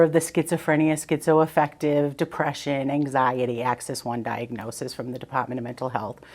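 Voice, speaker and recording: With an American accent, a woman talks with hardly any pauses, using ordinary pitch variation and big swings in loudness. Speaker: social services director. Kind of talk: interview. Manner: fast.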